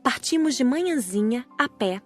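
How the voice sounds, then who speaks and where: A woman's voice: on the high side, animated, normal speed, faint music behind. A woman with a Brazilian accent reading scripted audiobook narration.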